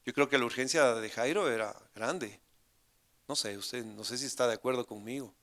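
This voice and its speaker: A middle-aged man preaching from the pulpit in a mid-pitched voice. He sweeps between fervent, nearly shouted appeals and quiet, heavy passages. He dramatizes the story as he tells it. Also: moderate pace. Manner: dramatic, voices imagined pleas with rising intensity then drops to hushed tones. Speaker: pastor. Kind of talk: sermon.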